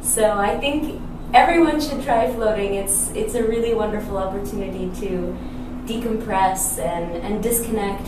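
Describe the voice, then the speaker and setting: Noticeable background noise and audible room echo surround a woman speaking at a moderate pace. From Canada. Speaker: spa customer. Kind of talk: customer testimonial. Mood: warm, cheerful. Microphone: camera far.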